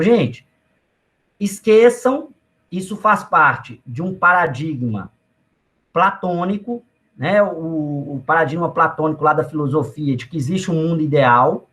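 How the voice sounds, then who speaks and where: A man's voice: sits high, fairly bright tone. A man giving a casual economics lecture, talking to students conversationally with personal anecdotes and asides. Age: adult father of young children.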